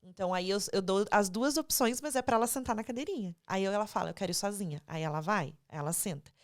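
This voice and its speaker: A woman's voice: medium pitch, fast talker, no echo, studio quality. A woman with a Brazilian Portuguese accent hosting an interview podcast, talking casually about her daughter and often tagging her sentences with "né" and "sabe". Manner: chatty, animated, tags sentences with "né" and "sabe". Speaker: podcast host; mother of a young daughter.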